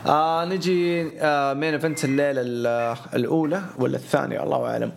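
A man co-hosts a podcast, chatting casually while laying out his opinions point by point; he's talkative, opinionated, and runs through lists. His voice is a little high and gravelly, fast and steady in tone, with a faint hiss or hum on the recording.

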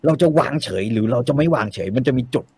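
A man's voice: medium pitch, fast talker, a little mellow, slightly rough, no echo. A man talking casually and animatedly about novels, swearing freely and repeating words for emphasis. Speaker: guest discussing novels. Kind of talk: casual chat.

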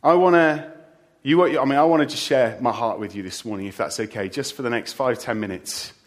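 A man's voice: medium pitch, a little fast. A middle-aged man preaching a farewell sermon as a church leader, with joking asides to the congregation. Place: church service.

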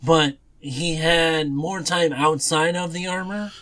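A man with a voice pitched a little higher than average co-hosts a podcast. He speaks in casual, conversational chat, airing his opinions freely. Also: fairly even intonation, slow pace, bright, forceful tone. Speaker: podcast co-host.

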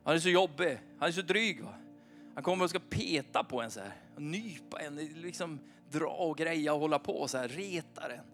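A man in his forties preaching an informal, animated sermon at a church meeting, often asking his listeners "va?". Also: on the high side, soft background music. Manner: chatty, animated, keeps asking the crowd "va?".

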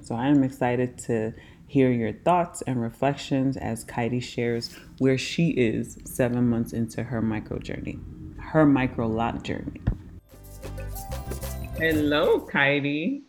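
A woman's voice: a bass voice, measured pace, a little mellow, soft background music. An American woman hosting a podcast, talking in a reflective, conversational way with some fillers. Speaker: podcast host. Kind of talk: casual interview chat.

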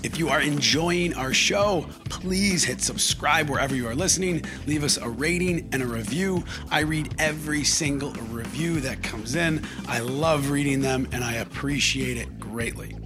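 A man's voice: a little high, normal speed, hardly any pauses. A man hosting a podcast, reading a scripted introduction and making an earnest, direct appeal to his listeners. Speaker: podcast host. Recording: voice over music bed.

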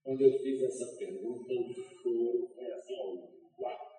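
A middle-aged man preaching a sermon, telling family stories with emphatic swings in loudness. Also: medium pitch, unhurried. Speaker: pastor. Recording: echoey church hall from far off.

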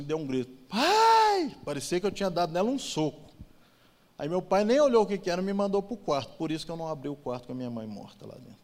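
Emotional testimony, man in a reverberant hall. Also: a little high. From Brazil. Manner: emotional storytelling, swings from loud to hushed. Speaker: church testimony speaker. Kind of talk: personal testimony in church.

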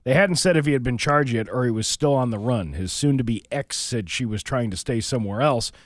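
A man's voice: medium pitch, fairly quick, dry recording. An American man hosting a radio show with casual, joking morning banter, close on a studio microphone.

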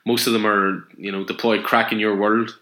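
A man's voice: on the low side, little pitch movement, normal speed, bright, forceful tone. A man voicing a cold, gloating male robot villain in an echoey room. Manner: boastful, cold.

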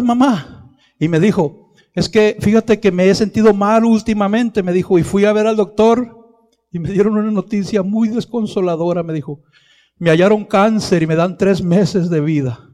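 A man's voice: high voice, a little mellow, big-room sound. A middle-aged man from Mexico preaching a sermon testimony, impassioned and repeatedly calling out to his brothers in the congregation. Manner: impassioned, repeatedly addresses "hermano".

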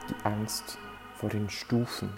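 A man reciting poetic audio play text in a measured, repetitive, incantatory way. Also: lowish voice, flat delivery, vocal fry, music in the background.

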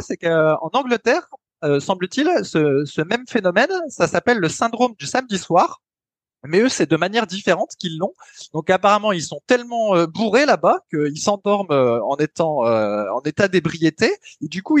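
Man, high voice, casual podcast chat, lots of fillers, dry close mic. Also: expressive, normal speed, no echo. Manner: chatty, explains with hesitant fillers. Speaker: podcast co-host.

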